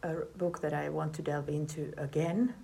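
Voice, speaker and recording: A woman's voice: low-pitched, fairly even intonation, normal speed, vocal fry, dark tone. Woman hosting an interview. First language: Finnish. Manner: searching for words, agreeable. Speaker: interview host. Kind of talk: conversational interview.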